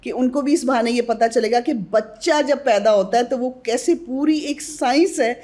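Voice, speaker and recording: A woman's voice: a little high, dark tone. A woman who is a guest on a podcast interview, earnestly advising mothers on newborn care and addressing them directly.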